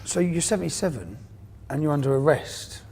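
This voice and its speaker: A man's voice: a little high, lively intonation, fairly quick, a little mellow, a little hiss or hum. A man interviewing people for a documentary, pressing them with probing, leading questions.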